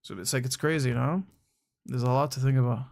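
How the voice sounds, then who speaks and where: A man's voice: mid-range voice, fairly even intonation, fast, vocal fry, darkish tone. A young man from the United Arab Emirates chatting casually with viewers on a live stream, easygoing and slangy, thinking aloud with frequent restarts. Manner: laid-back, slangy, calls chatters bro.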